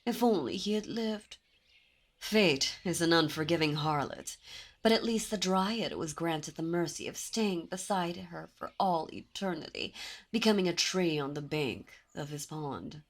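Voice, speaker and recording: A woman voicing a dominant, possessive demon princess in an ASMR roleplay, speaking in a silky, commanding way with soft whispers. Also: fairly low pitch, lively intonation, unhurried. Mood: languid. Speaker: voice actor. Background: birdsong and ambient sound effects.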